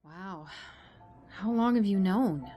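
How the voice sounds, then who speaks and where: An actress playing a caring, principled doctor in an audio drama, earnest and gently firm. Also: female voice, medium pitch, lively intonation, takes it slowly, faint music behind. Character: caring, principled woman doctor, torn by duty.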